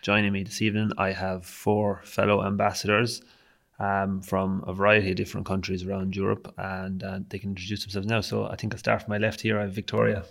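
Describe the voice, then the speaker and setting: An Irish-accented man hosts an informal panel. His voice is lowish and gravelly, with very little rise and fall. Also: monotone, brisk. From Ireland. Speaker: panel host.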